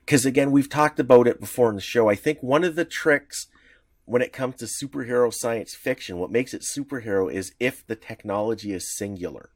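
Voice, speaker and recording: A man's voice: mid-range voice, a little fast, no room sound. A man co-hosting a podcast, explaining at length in a casual, rambling way with lots of fillers. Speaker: podcast co-host.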